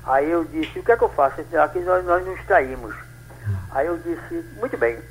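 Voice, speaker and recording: A man in his eighties calling in to a radio show, telling his story in a rambling, halting way with many restarts. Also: fairly high pitch, lively intonation, slight background noise, poor audio. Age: 80s. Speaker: caller. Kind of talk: phone-in radio call.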